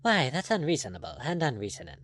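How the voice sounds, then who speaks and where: Man playing a gallant pirate captain, lively-voiced. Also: mid-range voice, quick pace. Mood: commanding, mocking. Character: gallant Irish pirate captain, bold, ironic, wistful.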